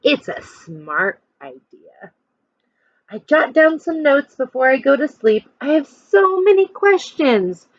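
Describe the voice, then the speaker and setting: A woman's voice: sits high, sing-song, slow, no echo, highs cut off. A woman teacher reading a children's picture book aloud expressively, stopping to explain and put questions to young listeners.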